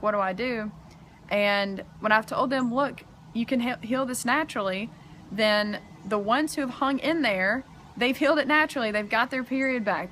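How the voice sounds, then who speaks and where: A woman's voice: mid-range voice, fairly bright tone, slight background noise. Chatty young woman vlogging outdoors. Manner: chatty, frequent "like" and "um". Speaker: vlogger and health coach. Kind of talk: casual advice vlog. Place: outdoors in strong sun.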